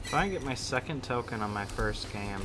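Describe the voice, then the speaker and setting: Guy streaming games, says bro a lot, halting jokey chat, music in the background. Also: mid-range voice, lively intonation. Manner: slangy, jokingly self-deprecating, halting. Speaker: livestream host. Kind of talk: casual gaming stream chat. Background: game music.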